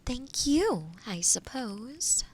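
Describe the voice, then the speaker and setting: A woman playing a kind, gentle forest witch in an audio roleplay, speaking softly and soothingly to the listener. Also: a little high, very animated, extremely slow, a little hiss or hum, heavily acted. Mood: grateful, musing. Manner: soothing, caring, softly breaking into whispers. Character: kind, gentle forest witch who loves helping others.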